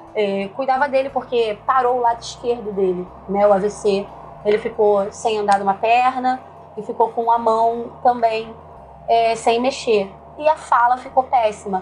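A woman speaks at a fairly slow pace in a fairly high pitch. Noticeable background noise runs behind her. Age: 30s. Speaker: abuse survivor, small business owner. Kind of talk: testimony.

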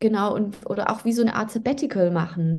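A dark, mellow, somewhat breathy voice with ordinary pitch variation. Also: woman. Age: 30s. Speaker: architect. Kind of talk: interview answers.

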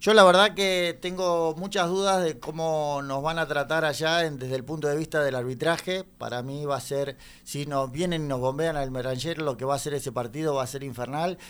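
Speaking with a plain, everyday voice, a man with fairly high pitch talks at a moderate pace with hardly any pauses and ordinary pitch variation. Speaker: radio host. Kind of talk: radio sports talk.

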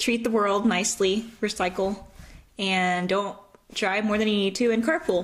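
In an American accent, a woman speaks very slowly at a medium pitch. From Southern California. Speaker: guest. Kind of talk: casual chat.

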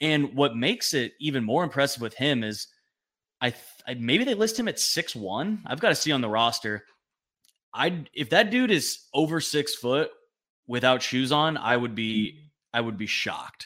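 A man's fairly high voice, bright and sharp in tone, with lively intonation at a moderate pace, on a very clean recording with a silent background. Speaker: sports broadcaster. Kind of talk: casual sports talk. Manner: loud.

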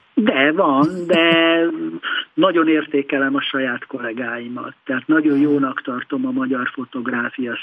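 Fairly high-pitched, a man talks at a fairly slow pace with fairly even intonation. He has an unremarkable speaking voice. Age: 60s. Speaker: photojournalist. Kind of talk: interview.

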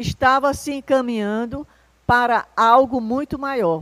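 A woman talks at a fairly slow pace. She speaks with a Brazilian accent. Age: 60s. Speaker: spiritist lecturer. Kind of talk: lecture. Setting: spiritist center with audience.

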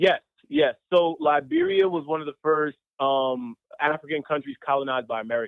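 An unremarkable speaking voice from a man, fairly high in pitch, moderate in pace, with ordinary pitch variation. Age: 20s. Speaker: creative producer. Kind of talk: casual interview. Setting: phone call.

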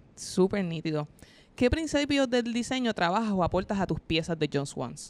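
A woman at medium pitch with a Puerto Rican accent, moderate pace and very wide pitch swings. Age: 20s. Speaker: podcast host. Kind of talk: interview.

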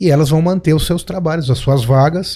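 At a moderate pace, a man talks in a dark, mellow tone that is somewhat breathy. His pitch variation is ordinary. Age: 50s. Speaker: podcast host and physician. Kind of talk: podcast interview.

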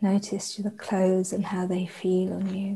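Very slow and somewhat breathy, the voice carries a gentle, soothing, dark, mellow tone with monotone, flat intonation. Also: woman. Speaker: meditation guide. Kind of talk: guided meditation. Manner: slow, soothing and unhurried; soft, gentle and calming.

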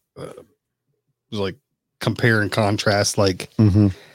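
The recording is very clean, with a silent background. A man with a fairly low pitch speaks in an animated tone. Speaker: veteran co-host. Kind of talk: casual banter podcast. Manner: profane, animated.

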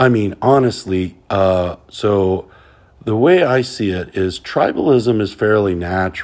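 A man with an American accent speaks at a fairly slow pace in a plain, everyday voice, his pitch fairly low and its variation ordinary. The recording is very clean, with a silent background. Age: 40s. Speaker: political podcast host. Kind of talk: solo political commentary monologue.

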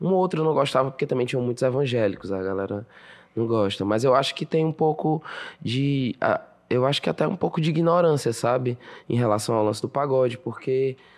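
Against a quiet background, a man with an unremarkable speaking voice talks fairly quickly at a medium pitch with lively intonation. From Fortaleza, Ceará, northeast Brazil. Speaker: singer and songwriter. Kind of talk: interview.

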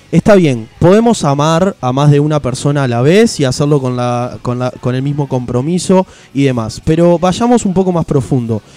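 A man's lively intonation carries over background music as he keeps a moderate pace. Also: fairly high pitch for a man, hardly any pauses. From Uruguay (Montevideo). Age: 20s. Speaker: radio host. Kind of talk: debate; casual chat.

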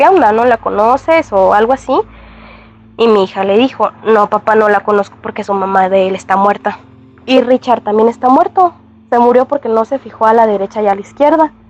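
The speech moves at a fairly quick pace with ordinary pitch variation, recorded with a dry, close sound with no echo but with noticeable background noise. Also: woman, fairly high pitch for a woman. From Mexico, Querétaro. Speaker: mother telling a paranormal story. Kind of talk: first-person testimony.

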